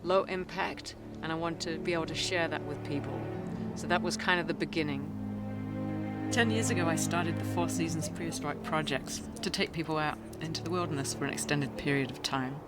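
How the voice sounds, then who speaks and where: A man who teaches wilderness skills, speaking slowly and reflectively in a documentary interview and while teaching. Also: a little high, fairly even intonation, loud music behind the voice.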